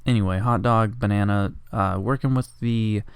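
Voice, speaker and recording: A man's voice: on the low side, steady tone, normal speed, clean tone, no room sound, clean studio sound. A congested man rambling jokily and casually as he narrates his drawing for a vlog at home. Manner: rambling, jokey, self-deprecating. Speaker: art vlogger.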